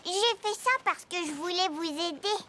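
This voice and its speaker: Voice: very high-pitched, bright, forceful tone, a little hiss or hum. An actor playing a curious, eager four-year-old boy in a French children's cartoon, speaking in an earnest, childlike way. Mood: explaining. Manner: childlike, slow earnest delivery. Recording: music behind the voice.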